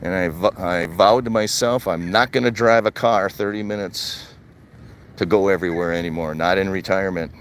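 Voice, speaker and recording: Strolling through a retirement community, this older Wisconsin vlogger chats casually to his live stream audience. His deep voice moves at a moderate pace, and he speaks plainly, going over his points more than once. Slight background noise is audible.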